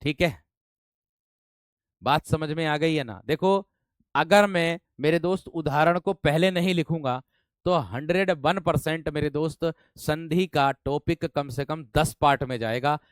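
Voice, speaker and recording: A young man leads an online exam-prep lesson in a crisp, slightly high voice. He repeats his points and keeps checking that students follow, pushing his voice up as he drives home each example. The sound is close and dry. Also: measured pace, dry recording. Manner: repetitive, coaxing, keeps asking students if they understood; emphatic, voice rises when checking examples. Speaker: Hindi teacher for exam preparation. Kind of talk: online class lecture.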